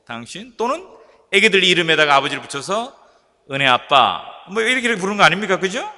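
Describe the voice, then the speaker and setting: A male pastor preaching a sermon and telling stories that he jokes about with the congregation. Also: fairly high pitch. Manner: animated storytelling preacher, joking with the congregation. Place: church sanctuary. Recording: echoey church hall.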